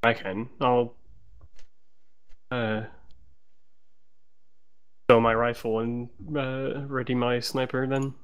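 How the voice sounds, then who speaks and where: A man's voice: medium pitch, monotone, slow pace, pauses often, clear, resonant tone, lo-fi sound. A man chatting casually as a player in a tabletop game, a bit hesitant and questioning. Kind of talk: casual chat during play.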